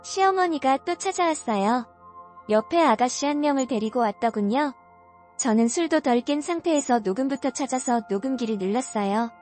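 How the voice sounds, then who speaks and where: A woman narrating a first-person story for a story channel, earnest and confiding. Her voice sits a little high, and soft music plays underneath throughout. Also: moderate pace. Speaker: story reader.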